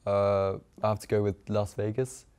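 Man acting male quiz contestant, low soft-edged dark voice, hesitant, modest, flat intonation. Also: moderate pace, a little hiss or hum, close to an everyday voice. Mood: nervous. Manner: hesitant, understated.

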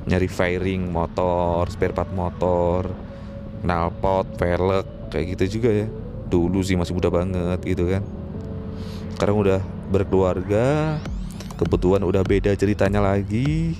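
A young man chats casually as he rides his motorbike, rambling and full of fillers. His voice sits very low. Loud music plays under his talk. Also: steady tone, unhurried. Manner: chatty, rambling, frequent fillers. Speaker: motovlogger. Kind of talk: casual chat while riding. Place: outdoors on a motorbike in traffic.

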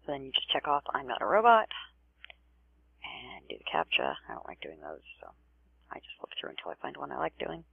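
A man narrating a relaxed screen-recorded walkthrough, often saying "right" and "all right". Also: mid-range voice, brisk, creaky, breathy edge, no room sound. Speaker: tutorial narrator. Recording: dry, tinny phone-like sound.

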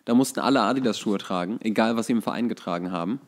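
A man's voice: lowish voice, racing. Hesitant man explaining things casually. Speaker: podcast co-host. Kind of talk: casual chat, explaining football.

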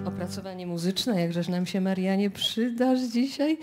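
A woman's voice: mid-range voice, moderate pace. A woman hosting live radio on stage, announcing to an audience in a chatty, ad-libbing manner. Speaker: radio host. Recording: live radio stage with music and loud crowd. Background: music and audience noise.

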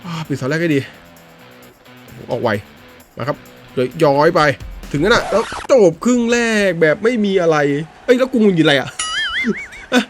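A man giving casual, excitable commentary while playing a football video game, swinging between low mutters and high yelps and swearing at the game. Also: normal speed, soft background music. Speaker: gaming YouTuber.

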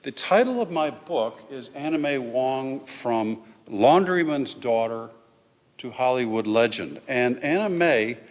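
An older man giving a public history lecture in a large hall, talking informally and filling pauses with "uh" and "okay". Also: mid-range voice, animated. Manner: chatty, with frequent "uh" and "okay". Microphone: lectern microphone. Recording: reverberant hall.

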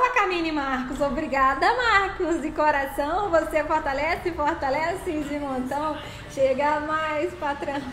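A woman's voice: high voice, a bit bright, echoey room, a little hiss or hum. A woman hosting a casual live stream while playing a game, chatty and thanking viewers by name.

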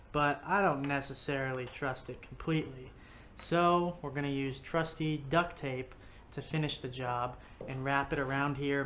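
A man's voice: on the high side, a bit bright, a little hiss or hum. A man from Texas explaining step by step while building something with his hands, talking casually in his living room into a head-mounted action camera. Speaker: fishing video host. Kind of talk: casual how-to demonstration. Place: living room at home, indoors.

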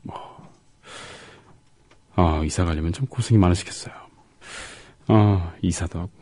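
Low husky halting male radio host. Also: mellow, no echo. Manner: halting, with gaps between words and syllables. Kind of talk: casual radio talk reading listener comments.

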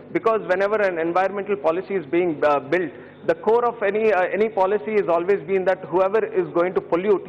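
An Indian English-accented man in his thirties makes a pleading case before parliament, his voice sitting high for a man. He hesitates often and keeps calling the chair "sir". The sound carries a long chamber reverb and dull broadcast audio. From Andhra Pradesh, India. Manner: earnest and pleading, many hesitations and "sir" addresses, gesturing. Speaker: member of parliament. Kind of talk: parliamentary speech. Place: large parliament chamber, indoors. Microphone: fixed desk microphone.

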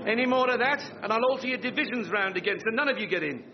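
Pompous, high-pitched English blusterer. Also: male voice, expressive, quick pace, noisy background. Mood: indignant. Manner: blustering, colloquial. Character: pompous, bossy man dreaming he is Prime Minister. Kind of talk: radio sitcom acting before an audience. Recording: muffled, with studio audience laughter.

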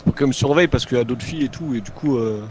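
A man chatting casually while gaming with friends, dropping dry, deadpan jokes. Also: medium pitch, very fast, crowd noise. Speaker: guest player.

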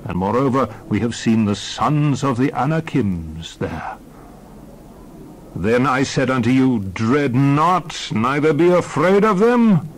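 A man's voice: mid-range voice, expressive, takes it slowly. A man playing an earnest prophet-leader in a dramatized scripture reading, emphatic and oratorical. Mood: exhorting, reproachful. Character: Moses, earnest male leader pleading and exhorting.

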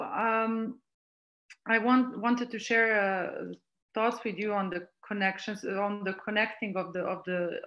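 A woman around thirty speaks with a Serbian accent at a medium pitch. She gives semi-prepared remarks as a panelist on a video call, halting and repeating words as she goes. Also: fairly bright tone, low-quality recording. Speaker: panelist introducing herself. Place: small plain room, video call.

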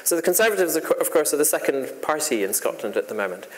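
A seminar chair asking questions and calling on the audience in a brisk, organizing way. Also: medium pitch, sing-song. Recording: reverberant room.

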